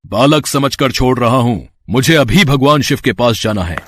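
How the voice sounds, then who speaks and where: A man's voice: mid-range voice, expressive, normal speed, a bit bright, a little hiss or hum, natural voice. A man playing a proud, hot-tempered warrior sage of Hindu myth, with formal, declamatory delivery. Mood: threatening. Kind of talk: acted dialogue in a Hindi mythological story.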